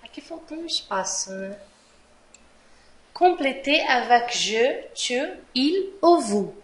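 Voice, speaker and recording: Slow patient woman teaching French. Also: high-pitched, very animated, reverberant. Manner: mixes Portuguese explanations with French examples. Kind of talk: online language lesson.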